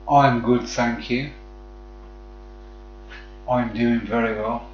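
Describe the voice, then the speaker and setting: A man's voice: mid-range voice, a little hiss or hum. A man from the West Midlands with a Black Country accent, chatting casually and matily to viewers on a live stream. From West Midlands, England. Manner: friendly, matey address to viewers. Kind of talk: casual chat. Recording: dull sound, echoey room, faint music.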